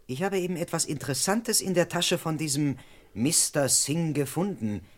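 An actor playing a brisk, self-assured male police constable who questions people officiously and also narrates, in a radio play. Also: a little high, close to an everyday voice. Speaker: narrator and investigator.

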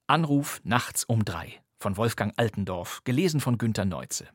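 A male radio host giving a lively, friendly scripted announcement. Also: on the low side, moderate pace, no echo, studio quality. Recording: announcement over clear music.

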